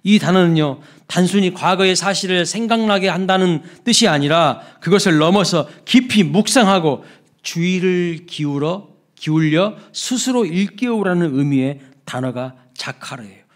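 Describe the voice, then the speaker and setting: A man delivering a Sunday sermon, his voice sitting a little high for a man. He preaches emphatically, falling suddenly soft and then rising again to act out exclamations. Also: normal speed. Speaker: pastor. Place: church sanctuary.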